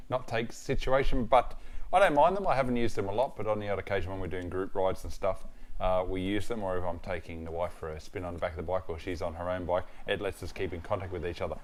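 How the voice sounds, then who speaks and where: An Australian man giving a casual product review as a motorcycle gear reviewer, plain-spoken and matter-of-fact. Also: deep voice.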